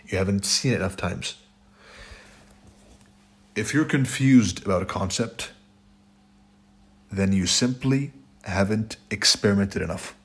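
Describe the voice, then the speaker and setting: Hoarse low-voiced man lecturing bluntly. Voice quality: raspy. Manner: blunt, repeats "right?" and "it's your fault". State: hoarse, sore throat. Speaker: trading instructor. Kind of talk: lecture over slides.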